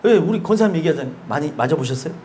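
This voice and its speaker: A male pastor preaching a sermon in a church, animated, asking the congregation questions and laughing between points. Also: a little high, very fast, a little hiss or hum. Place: church sanctuary.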